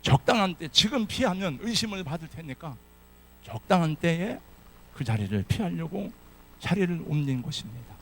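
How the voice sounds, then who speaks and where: Male pastor, somewhat high voice that swings widely, storytelling sermon. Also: animated, normal speed, a bit bright. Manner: dramatic storytelling, acting out Bible characters' lines.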